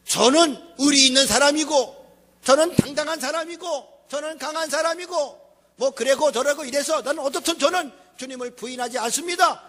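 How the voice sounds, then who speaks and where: A preacher doing a boastful, insistent disciple. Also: male voice, extremely high pitch, fairly quick, a bit bright, voice pushed up. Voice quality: insistent, protesting. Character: boastful, self-assured male disciple. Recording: echoey church hall.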